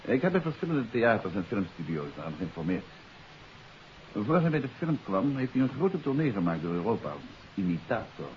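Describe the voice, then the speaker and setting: An actor playing a composed, astute amateur detective in a 1950s radio drama, speaking in a measured, confident, matter-of-fact way. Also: male voice, fairly low pitch, sing-song. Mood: assured. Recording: dull, hissy 1950s radio recording.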